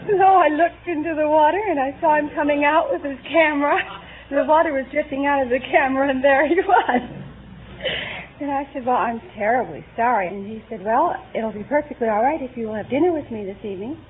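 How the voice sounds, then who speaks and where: A woman's voice: high-pitched, a little fast, a little hiss or hum. A woman from New York, a quiz show contestant, telling a story with amused giggles. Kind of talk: telling an anecdote. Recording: lo-fi 1950s broadcast audio.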